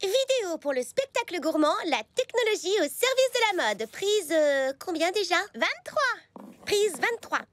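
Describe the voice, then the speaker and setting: A woman voicing a bossy but patient young cartoon girl directing a shoot with deliberate announcements. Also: very high-pitched, sing-song, fairly bright tone, full character voice. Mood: businesslike, exasperated. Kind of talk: French cartoon dub acting.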